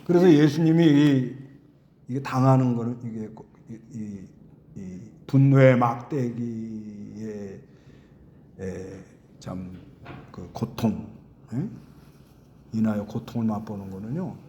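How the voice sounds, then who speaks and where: A man's voice: on the low side, takes it slowly, long pauses, mellow, dull audio. A middle-aged male pastor giving a conversational sermon and putting questions to the congregation.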